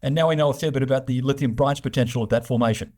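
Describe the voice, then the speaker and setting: A man's voice: medium pitch, very fast, a little mellow. A man interviewing a guest on a business show, speaking conversationally with hesitant phrasing.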